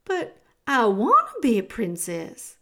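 A woman's voice: fairly high pitch, wildly swooping pitch, takes it slowly, fairly bright tone, heavily acted. A woman voicing a simple, needy, wounded little servant girl in a storybook, with plaintive, uneducated folksy speech. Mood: hurt, pleading.

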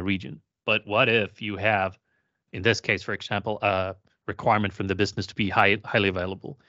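A man's voice: lowish voice, sharp tone, no room sound, lo-fi sound. A man co-hosting a casual tech podcast, talking at length with many fillers. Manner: rambling, many "uh" and "you know" fillers. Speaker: podcast co-host.

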